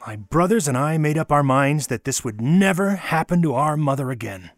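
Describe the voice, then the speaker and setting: A man reading a nostalgic memoir aloud as a storyteller, in a dramatic, measured way with deliberate pauses and emphasis. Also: fairly high pitch, lively intonation, no room sound, clean studio sound, soft background music.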